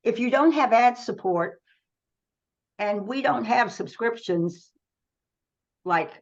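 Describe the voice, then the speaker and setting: A woman's voice: on the high side, lively intonation, slow, dull audio. A middle-aged American woman speaking as a guest in a conversational interview, explaining things earnestly. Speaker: radio trade magazine publisher, interview guest.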